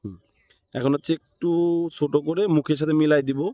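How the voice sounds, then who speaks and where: A man's voice: on the high side, fairly even intonation, fairly quick, warm tone. A man with a Bangladeshi accent teaching an informal step-by-step screen tutorial, thinking aloud and checking in with listeners. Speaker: tutorial instructor.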